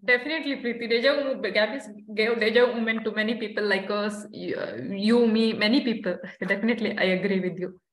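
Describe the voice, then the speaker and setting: A woman's voice: medium pitch, steady tone, fairly quick, few pauses. Cheerful woman moderating in a roomy space. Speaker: meeting moderator. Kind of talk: hosting a meeting segment. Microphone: video call. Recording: roomy video call audio.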